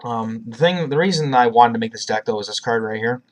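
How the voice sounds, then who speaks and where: A man walks through a card game deck in loose, chatty talk, often stumbling and restarting his sentences. He has a cough and talks around a cough drop, at a middling pitch. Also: brisk. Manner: rambling, frequent restarts and ums. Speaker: YouTuber presenting a card deck. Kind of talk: casual deck profile talk.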